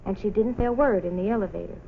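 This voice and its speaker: Woman, storyteller, expressive children's narration, medium pitch, muffled old film soundtrack, faint noise. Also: fast talker, vocal fry.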